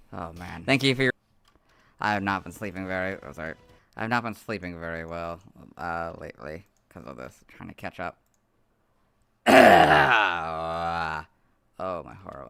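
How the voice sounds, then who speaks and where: A hoarse young-sounding man with a low voice that still comes across bright and forceful, talking to himself as he edits. The sound is dry and close, with no room around it. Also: animated, moderate pace, pauses often, no room sound. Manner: mutters to himself while working, apologetic asides. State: hoarse, losing his voice. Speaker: video creator streaming his editing. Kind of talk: casual livestream chat while editing. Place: home room, hot.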